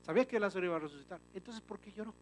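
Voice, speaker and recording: Male pastor, emphatic sermon, loud-to-hushed swings, slightly high voice, faint hum behind. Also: lively intonation, very fast, rough recording. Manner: often addresses listeners as "hermano".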